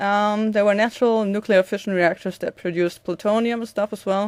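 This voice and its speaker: A speaker with a German accent talks at a fairly quick pace with fairly even intonation. The recording is very clean with a silent background and a dry, close sound with no echo. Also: woman. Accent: German accent, trouble with th. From Germany. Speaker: video blogger. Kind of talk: opinion monologue.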